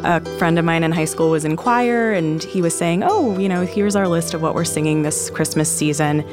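Lower-voiced woman explaining in an interview. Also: normal speed, music in the background. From California. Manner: explanatory, plainspoken storytelling. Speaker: journalist guest. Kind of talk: conversational interview.

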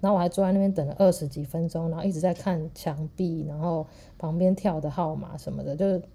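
A woman with a Taiwanese Mandarin accent, co-hosting a podcast and telling a story in a casual, animated way. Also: sits low, fast talker, slightly rough. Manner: animated, laughs through her story. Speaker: podcast co-host.

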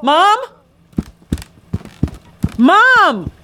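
Guarded grown daughter, dry and weary, expressive pitch, noisy ambient backdrop, naturalistic radio drama. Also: female voice, extremely slow, heavily acted. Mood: worried. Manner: dry, sardonic, curt. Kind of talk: naturalistic audio drama acting. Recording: clear background ambient noise.

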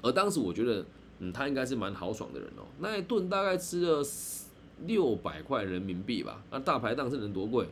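Animated Taiwanese man telling a story. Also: mid-range voice, a little hiss or hum. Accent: Taiwanese Mandarin. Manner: chatty, drawn-out phrases with frequent sentence-final particles. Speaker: podcast host. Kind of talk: live-streamed personal storytelling.

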